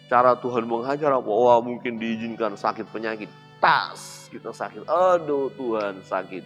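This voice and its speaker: Man, pastor, animated preaching that swings between loud and quiet, faint music underneath. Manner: animated preaching, acting out quoted voices with big swings in pitch and loudness. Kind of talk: sermon.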